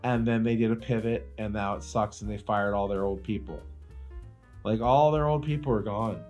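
A man's voice: lowish voice, moderate pace, darkish tone, muffled recording, soft background music. A man hosting a podcast in casual chat, opinionated and slangy, swearing freely. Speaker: podcast host.

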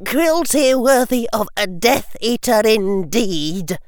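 Man doing a stern old witch, cutting and high, dry sound. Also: animated, slow, clean tone, no room sound. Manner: cutting, sardonic. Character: stern, sharp-tongued older witch.

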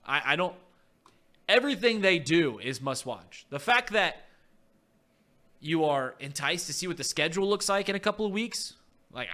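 A man with a self-described high-pitched voice co-hosting a casual sports talk show, ranting animatedly with mocking asides. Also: sharp tone. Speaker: podcast co-host.

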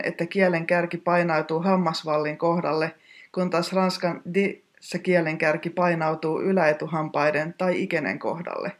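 A teacher giving a scripted pronunciation lesson in a precise, technical, instructive manner. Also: medium pitch.

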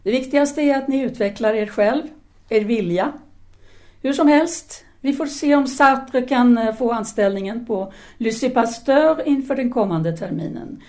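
A woman's voice: fairly high pitch, dark tone, lightly acted. An actress playing a self-assured, independent-minded French woman teacher in a 1930s audio drama, speaking formally and didactically. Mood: encouraging. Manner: formal, articulate, didactic, with hesitant pauses.

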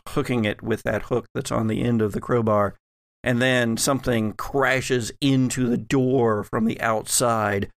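A man narrating a tabletop horror game as game master, improvising in a deliberate, halting way. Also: medium pitch, clean tone, dry recording, clean studio sound.

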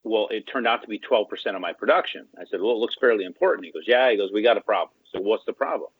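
A man with a lowish, breathy-edged voice talks fast as an interview guest, casually telling a story. He is animated and acts out the quoted dialogue, and the audio is dry with a tinny phone-line sound.

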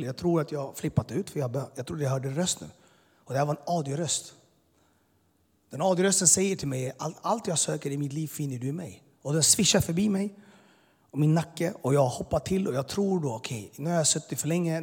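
Husky man telling his story in a hall. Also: a little high. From immigrated to Sweden as a boy. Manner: earnest, intense storytelling with filler words. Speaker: speaker giving his testimony. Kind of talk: personal testimony talk. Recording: long hall reverb.

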